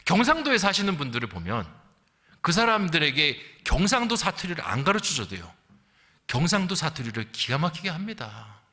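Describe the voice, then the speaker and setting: Speaking at a normal speed, this middle-aged man from Gyeongsang, South Korea, sounds very animated, his slightly high voice pushed and bright. As a pastor, he preaches through conversational storytelling, rhetorical questions, and acted-out quotes within anecdotes. Long reverb from the large church hall fills the recording.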